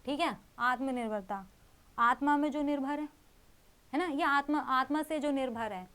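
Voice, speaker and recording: A woman's voice: high voice, normal speed, a bit bright. A young woman teaching an exam-prep grammar lesson, explaining with rhetorical questions and repeating key terms.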